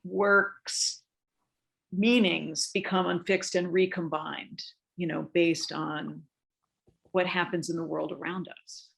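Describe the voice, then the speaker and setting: A woman with a noticeably creaky voice moderates a panel discussion on a video call. She speaks slowly and conversationally, pitched a little low. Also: fairly even intonation, a bit bright.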